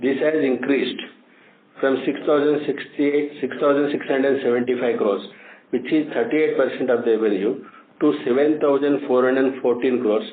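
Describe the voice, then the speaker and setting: A man's voice: medium pitch, steady tone, normal speed. A man with an Indian accent formally reading out financial figures as an executive on a company earnings call, now and then stumbling over numbers. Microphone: phone conference line. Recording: tinny phone line, echoey, faint noise.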